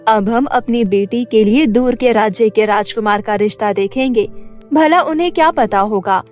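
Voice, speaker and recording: A woman's voice: on the high side, normal speed, a little mellow, close to an everyday voice. A woman voicing a middle-aged, scheming queen mother in a cartoon story, talking persuasively. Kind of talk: Hindi cartoon story dubbing. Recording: music bed behind the voice.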